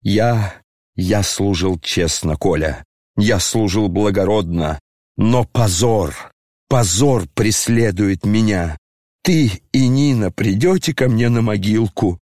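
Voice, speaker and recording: A man's voice: on the low side, darkish tone, dry recording, studio quality. A man playing a maudlin old disgraced general. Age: over 60. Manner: slow, tearful, declamatory, pompous. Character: aging disgraced retired general, maudlin, grandiose.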